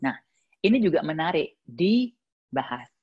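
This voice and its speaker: A woman's voice: sits low, big pitch swings, a little slow, breathy edge, muffled recording. A woman giving a casual, reflective talk, answering a listener's question with plenty of everyday examples. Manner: conversational, uses many examples and fillers.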